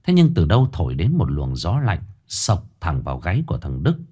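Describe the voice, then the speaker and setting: A man's voice: low-pitched, wildly swooping pitch, fairly quick, noisy background. A man narrating a horror story in a dramatic, ominous scripted reading.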